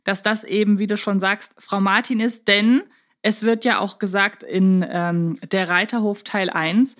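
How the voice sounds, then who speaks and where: A woman's voice: medium pitch, fairly even intonation, unhurried, fairly bright tone. Chatty woman co-hosting a casual podcast. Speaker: podcast co-host. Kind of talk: casual chat about audio dramas.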